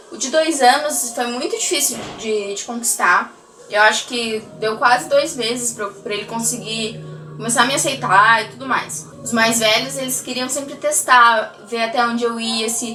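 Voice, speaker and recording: Music plays in the background and the room echo is audible. The speech moves at a moderate pace with big swings in loudness. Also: woman, fairly high pitch for a woman, ordinary pitch variation. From Brazil, São José dos Campos, São Paulo. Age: 20s. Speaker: former au pair. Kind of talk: personal storytelling.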